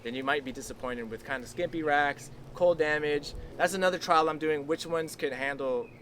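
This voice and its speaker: Speaking at normal speed, this farmer has a higher, fairly bright voice, and there's a little hiss or hum in the recording. He's an American who runs a food forest, talking casually outdoors with many restarts while music plays beneath.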